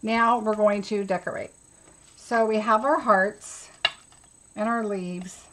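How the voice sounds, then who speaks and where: A woman leads a hands-on craft class in a casual, chatty way. Her voice sits at an ordinary middle pitch for a woman. She talks through each small step as she works, as if half to herself. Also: fairly even intonation, slow, fairly bright tone, a little hiss or hum, poor audio. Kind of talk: casual live craft tutorial.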